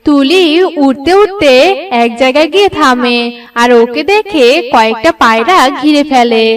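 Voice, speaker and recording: A woman narrates a storybook tale from a script. Her voice is distinctly high and comes from a little way off the microphone. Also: expressive, normal speed, far from the mic.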